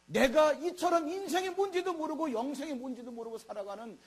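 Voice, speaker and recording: A preacher voicing God, calm and fatherly. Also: very high-pitched, a little fast. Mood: patient reproach. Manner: gentle reasoning, chiding questions. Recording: mains hum.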